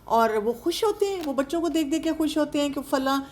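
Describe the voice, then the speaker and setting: Here the counselor on aging sounds high, animated and darkish as she delivers a heartfelt talk to older people. Rhetorical questions draw her listeners in, and English words are sprinkled through her speech.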